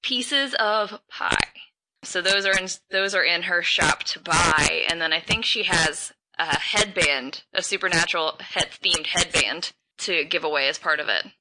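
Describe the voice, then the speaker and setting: Chatty woman with a lower voice. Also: bright, forceful tone, rough recording. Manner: chatty, rambling, quick bursts of speech. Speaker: podcast co-host. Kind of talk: casual chat.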